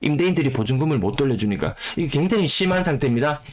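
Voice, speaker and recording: A man whose voice is rough from a cold, explaining housing market figures and repeating key phrases for emphasis. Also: fairly high pitch, expressive, racing. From South Korea. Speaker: real estate YouTuber. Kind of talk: data commentary on the housing market.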